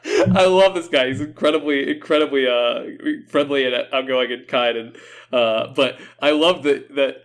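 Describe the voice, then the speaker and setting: A man's voice: mid-range voice, normal speed. Hesitant, joking male podcast co-host. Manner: hesitant, self-correcting, joking. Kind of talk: casual chat.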